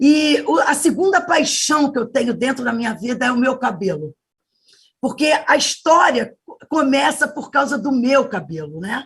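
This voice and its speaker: The woman speaks at a fairly slow pace in a high pitch. Her intonation is lively. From Rio de Janeiro, Brazil. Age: 60s. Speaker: entrepreneur, beauty business founder. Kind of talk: live interview. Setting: live stream.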